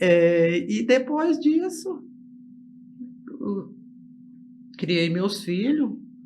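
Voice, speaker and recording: Amid audible room echo, a woman talks at a very slow pace with long, frequent pauses, her fairly high pitch making very wide swings. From Brazil, Goiás (Rio Verde, Goiânia). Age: 60s. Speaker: podcast guest. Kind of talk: personal testimony in interview. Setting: studio.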